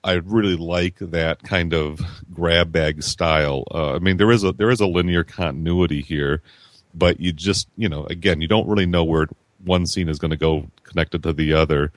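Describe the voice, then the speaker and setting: Rambling deep-voiced man in his fifties. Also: steady tone, moderate pace, no room sound. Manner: rambling, with many restarts and repeated words. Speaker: podcast guest. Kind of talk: casual film discussion.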